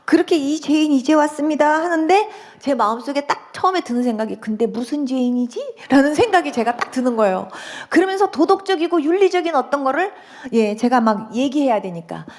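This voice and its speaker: A woman's voice: high-pitched, animated, a little fast. A middle-aged woman pastor giving an emotional testimony sermon, acting out quoted dialogue and pleading cries, tearful at times.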